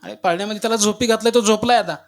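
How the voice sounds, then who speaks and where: A male preacher voicing a flustered young mother who answers quickly in a lowered, apologetic voice. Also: close to an everyday voice.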